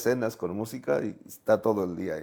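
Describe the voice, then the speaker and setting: Fairly low in pitch and dark, mellow in tone, a man speaks at a fairly slow pace with ordinary pitch variation. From Mexico, Sierra region of Oaxaca. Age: 60s. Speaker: lawyer. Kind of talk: interview. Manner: halting, with many fillers.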